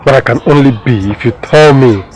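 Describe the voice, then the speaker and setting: A man's voice: medium pitch, fairly quick, darkish tone, lightly acted. A man with a Nigerian accent playing an insistent, boastful young suitor in a film. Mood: pleading. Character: proud, possessive young man courting a maiden. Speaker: jilted suitor. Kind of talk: film acting.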